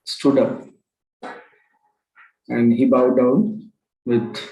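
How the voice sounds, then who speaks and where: A man, a spiritual teacher telling a story to an online group, slow and pausing, often asking his listeners questions. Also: medium pitch, level tone, dull audio. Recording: roomy echo.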